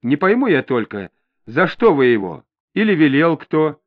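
Man playing a firm, steady police inspector. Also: fairly high pitch, moderate pace. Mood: steady, probing. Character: calm, firm male police inspector questioning a suspect. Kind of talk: audiobook character voice. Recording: dull lo-fi audio.

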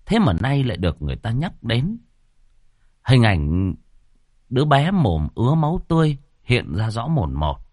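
A man narrating a ghost story in an expressive, dramatic way. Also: medium pitch, dry recording, studio quality.

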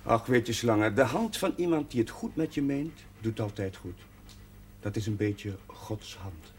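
An actor playing a patient, fatherly Catholic village chaplain in a television drama, reasoning and questioning gently with small hesitations. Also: fairly low pitch, lively intonation, measured pace, slight background noise. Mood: persuasive.

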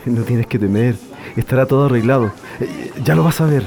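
A man's voice: mid-range voice, a little fast, background noise, close to an everyday voice. A man playing an earnest young man in a radio drama who talks hesitantly with many fillers.

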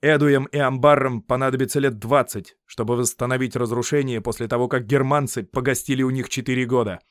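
A man reading an audiobook, voicing an eager Roman officer who explains at length in a lively, raised voice. The recording is dry. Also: mid-range voice, a little fast, dry recording, voice pushed up, close to an everyday voice. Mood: explaining.

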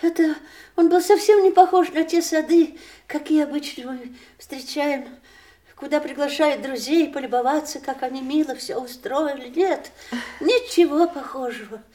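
Актриса играет усталую, горько-ироничную жену у постели умирающего мужа, сдержанно и задумчиво. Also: female voice, high-pitched, normal speed, dark tone, close to an everyday voice. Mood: wistful. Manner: restrained, wistful, sharply ironic. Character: aging wife at her husband's deathbed, weary and bitter. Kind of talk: 1980s stage radio play acting.

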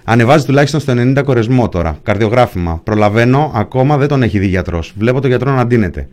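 A man narrating his own account in the first person, pushing forward in terse, clipped bursts. His pitch sits in the ordinary middle range for a man. The delivery stays plain and steady, with no performed voices. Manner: terse, clipped present-tense fragments.

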